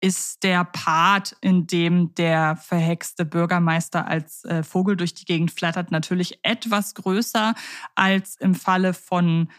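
A woman's voice: on the low side, fairly even intonation. German woman co-hosting a chatty podcast. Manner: thoughtful, self-correcting, measured. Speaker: podcast co-host. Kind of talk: casual chat about radio plays.

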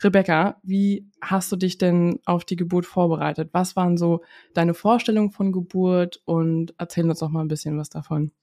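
A woman's voice: fairly low pitch, steady tone, normal speed, few pauses, mellow. A woman hosting a podcast with a stuffy, nasal voice from a cold, speaking in an upbeat, chatty way as she leads the talk. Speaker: podcast host. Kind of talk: casual podcast chat.

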